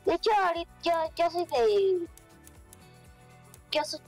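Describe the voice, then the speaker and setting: A woman with a very high voice and a Mexican accent chats casually over voice chat during a game, trailing off and filling pauses. Game music plays clearly behind her. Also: fairly even intonation. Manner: chatty, with fillers like "este". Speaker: gaming guest. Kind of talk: casual chat while gaming.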